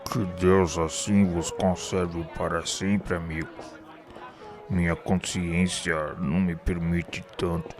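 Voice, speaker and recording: Radio drama: male actor as tormented Brazilian spirit, very low, slow, solemn, heavy with guilt. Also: little pitch movement, over music. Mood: anguished, remorseful.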